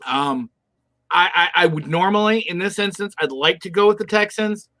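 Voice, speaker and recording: A man's voice: sits high, normal speed, pushed and bright, no echo. A middle-aged man from Michigan, co-hosting a casual football picks show and ranting bluntly about teams. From Michigan, USA. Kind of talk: casual sports chat.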